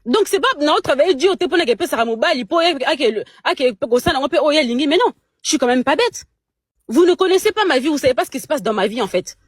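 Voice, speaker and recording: Indignant Congolese woman, high voice. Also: animated, fairly quick, no room sound, studio quality. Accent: Congolese French. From Democratic Republic of the Congo. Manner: indignant, emphatic, many repeated words. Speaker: guest on a live chat. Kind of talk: heated casual chat, mixing in Lingala.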